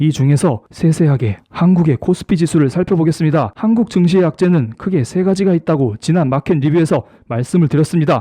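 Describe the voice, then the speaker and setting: A man talks fairly quickly with lively intonation and a dark, mellow tone. His voice is somewhat breathy, and the sound is dry and close with no echo. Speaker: finance YouTuber. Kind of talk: market commentary. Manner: fast.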